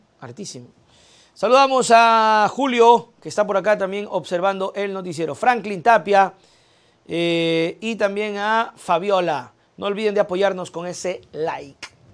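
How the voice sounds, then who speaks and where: A high-pitched man's voice, animated in tone, with ordinary pitch variation and big swings in loudness. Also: fairly slow pace, very clean recording, silent background. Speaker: satirical news show host. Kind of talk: casual news commentary with viewer greetings.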